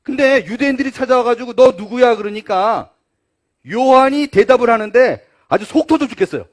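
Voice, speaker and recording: A man's voice: very high voice, brisk. A male pastor preaching a sermon, acting out the dialogue of the story as he tells it.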